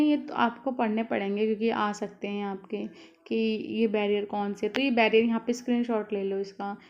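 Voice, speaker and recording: A woman's voice: fairly high pitch, a little mellow, lo-fi sound. A woman tutor giving a casual exam-prep lesson, explaining in a chatty way with many fillers. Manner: explanatory, chatty, with frequent fillers and "theek hai". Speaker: online tutor.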